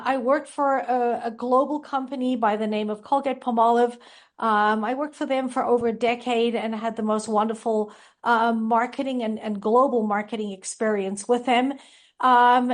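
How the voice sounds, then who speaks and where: A middle-aged woman with a South African accent, talking casually about her marketing career as an interview guest, with frequent ums. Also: on the high side. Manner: chatty, warm-humored, with frequent ums. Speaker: guest, franchise marketing consultant.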